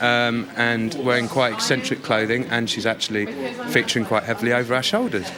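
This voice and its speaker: Through audible room echo and noticeable background noise, a man speaks at a fairly quick pace. His medium pitch carries fairly even intonation and very even loudness. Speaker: TV director. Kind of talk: casual chat.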